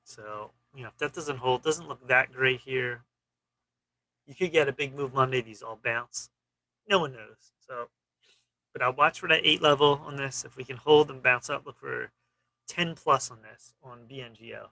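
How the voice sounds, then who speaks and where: Man, trading vlog host; gravelly, bright tone, dry close sound; casual clipped chart talk. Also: medium pitch, normal speed, no room sound, poor audio. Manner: clipped, fragmentary phrases with frequent "you know". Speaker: stock trading channel host.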